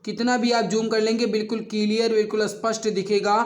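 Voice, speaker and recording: High-pitched male exam tutor. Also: little pitch movement, fairly quick. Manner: repetitive, emphatic, addresses listeners familiarly. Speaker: online exam-prep teacher. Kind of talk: quiz lesson for exam students with promotional pitch.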